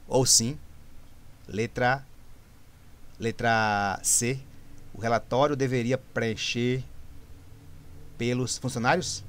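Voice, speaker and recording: A man's voice: medium pitch, fairly bright tone. A man, talking through exam grammar questions as a tutor, repeating himself and correcting his own slips. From Brazil. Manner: explanatory, repeats and self-corrects, frequent "né?".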